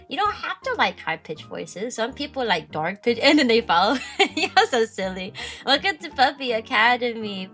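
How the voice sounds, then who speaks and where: Bright, high-pitched woman streamer chatting. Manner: high-pitched, chatty, giggly, reads and answers chat. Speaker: VTuber streamer. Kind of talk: casual live-stream chat with viewers.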